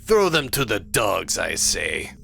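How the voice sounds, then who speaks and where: A man voicing a menacing male tiger bully in a read-aloud game, with a low, slow, sneering delivery and a mock-Russian growl. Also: very animated, creaky, sharp tone, soft background music, exaggerated voice.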